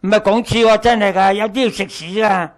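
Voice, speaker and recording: A man's voice: sits high, fairly even intonation, fast talker. An older man with a Hong Kong Cantonese accent, teaching a health talk and answering questions in a bluntly joking way, with many repeats. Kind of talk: lecture with audience questions. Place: small lecture hall.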